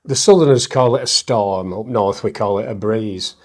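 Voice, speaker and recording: Low-voiced middle-aged northern English man. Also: moderate pace. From northern England. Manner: self-deprecating, chuckling. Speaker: interview guest, poet and comedian. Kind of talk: casual interview chat with poetry recital.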